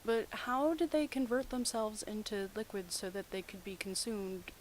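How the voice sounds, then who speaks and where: A woman of average pitch gives snarky running commentary as host. She is sarcastic and picks at every detail. A faint static hiss sits behind her homemade recording. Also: moderate pace, poor audio. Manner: sarcastic, nitpicking. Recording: home recording with steady background hiss.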